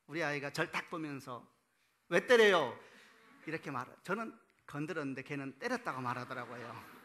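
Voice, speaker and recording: A man's voice: on the high side, sharp tone. A middle-aged man preaching a sermon in a church, telling a story from home and asking the congregation questions, chuckling now and then. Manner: laughs at his own stories. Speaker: pastor. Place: church sanctuary.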